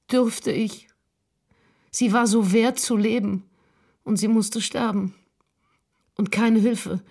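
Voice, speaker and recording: A woman's voice: on the high side, dark tone. A woman playing a grief-stricken nineteenth-century woman, reading a letter overwhelmed by mourning.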